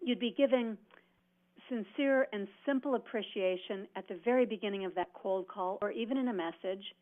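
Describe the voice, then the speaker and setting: A woman's voice: mid-range voice, normal speed. A woman giving an instructional sales presentation in a motivational, emphatic way, delivering her points phrase by phrase. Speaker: sales trainer presenting cold calling tips. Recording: dull, band-limited audio.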